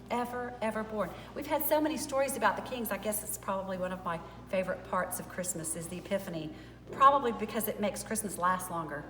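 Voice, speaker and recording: A woman's voice: on the high side, a bit bright. A woman hosting a children's story time, talking casually in simple, explanatory phrases to young listeners. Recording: echoey, reverberant large room, faint music.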